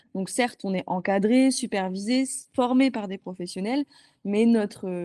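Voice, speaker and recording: On a very clean recording with a silent background, a woman with a fairly high voice and a dark, mellow tone speaks at a fairly slow pace with ordinary pitch variation. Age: 20s. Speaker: nonprofit coordinator. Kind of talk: interview.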